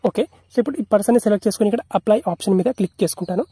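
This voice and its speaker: A man's voice: sits high, rapid-fire, warm tone, breathy edge, no echo, studio quality. A man narrating an app tutorial in a repetitive, instructional way, mixing in English tech terms.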